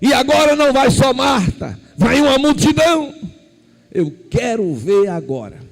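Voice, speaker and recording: A male pastor delivers a sermon, his fairly high voice leaping widely between hushed asides and shouted lines. He unhurriedly tells the story, letting each phrase land. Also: a little slow, vocal fry, low-quality recording. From Brazil. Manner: animated storytelling preaching, swinging from quiet asides to shouted emphasis.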